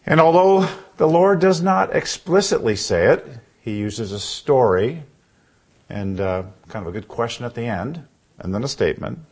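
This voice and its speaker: A man preaching a sermon in a church, asking the congregation questions as he goes, with a husky baritone voice. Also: lively intonation, moderate pace, darkish tone. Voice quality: husky with a cough. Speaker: pastor. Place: church sanctuary.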